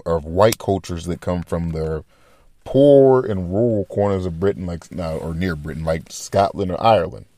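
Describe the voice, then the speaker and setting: Podcast host, man, deep voice, loose thinking-aloud monologue, dead dry mic. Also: darkish tone, no echo. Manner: rambling, thinking aloud with restarts. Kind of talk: casual commentary monologue.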